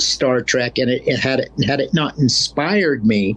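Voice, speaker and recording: Speaking at a fairly slow pace, a man is heard. His pitch varies in an ordinary way. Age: 60s. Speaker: fan club founder and consultant. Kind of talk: interview. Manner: hesitant, many fillers.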